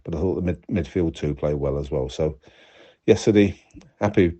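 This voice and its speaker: A man giving a casual, unscripted football review as a fan, talking in a measured, reflective way. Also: rumbling low, mellow, husky. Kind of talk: casual unscripted match commentary.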